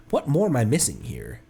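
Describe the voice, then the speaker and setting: A man's voice: medium pitch, fairly bright tone, a little hiss or hum. A man livestreaming a game with casual, rambling and exclamatory commentary. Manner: exclamatory, rambling, laughs easily.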